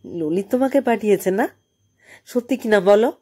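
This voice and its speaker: Woman acting urgent, higher-voiced distraught wife. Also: expressive, normal speed, warm tone, husky. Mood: urgent pleading. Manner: urgent, emphatic, imploring. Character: distraught secretive married woman, pleading and commanding.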